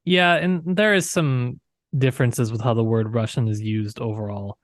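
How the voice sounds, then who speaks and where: A man's voice: mid-range voice, moderate pace, no room sound, studio quality. A man co-hosting a podcast in casual book discussion, often restarting his words in a hesitant way. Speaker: podcast co-host.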